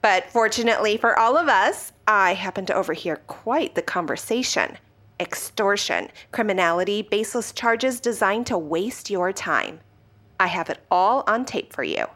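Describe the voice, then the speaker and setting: A woman's voice: medium pitch, lively intonation, moderate pace, fairly bright tone, lightly acted. Actress doing prissy nosy older neighbor lady, chatty busybody, very official about it, radio play. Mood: prim, officious. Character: prim, nosy older woman neighbor phoning an informant line. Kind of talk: audio drama acting.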